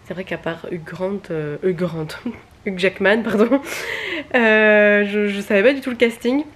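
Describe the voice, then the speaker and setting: A woman's voice: medium pitch, fairly even intonation, measured pace. A young woman chatting casually in a home vlog, rambling with many fillers and restarts. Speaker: vlogger.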